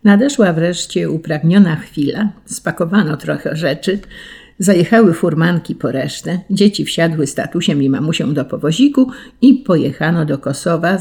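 A storybook narrator reading an old children's tale, gentle and expressive in the telling. The voice is dark and mellow, with a husky, breathy edge. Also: mid-range voice.

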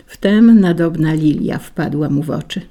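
A woman narrating a fairy tale in a measured, expressive storybook reading. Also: deep voice.

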